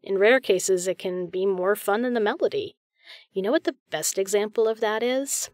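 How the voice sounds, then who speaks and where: A woman's voice: mid-range voice, normal speed, a little mellow, dry recording, studio quality, natural voice. A woman playing a friendly, chatty, reassuring female caroler in a one-sided roleplay audio conversation. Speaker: voice actor.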